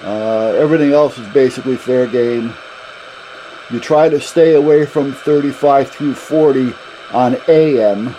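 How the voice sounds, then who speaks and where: A man with a medium-pitched voice talks casually through a hands-on demonstration. His delivery is folksy and rambling, like a hobbyist explaining gear. The recording comes from a camera mic about a foot away, with clear background noise and radio sound. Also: warm tone, poor audio.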